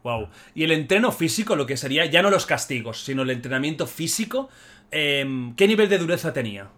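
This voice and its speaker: A man with a Spain Spanish accent hosts an interview, asking quick, curious follow-up questions. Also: on the high side, lively intonation, fairly bright tone. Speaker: podcast host. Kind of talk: casual interview.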